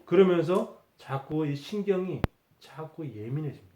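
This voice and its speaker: Korean pastor preaching in an echoey church. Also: male voice, on the high side, warm tone. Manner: rhetorical questions answered himself, repeats key words. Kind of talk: sermon. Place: church sanctuary.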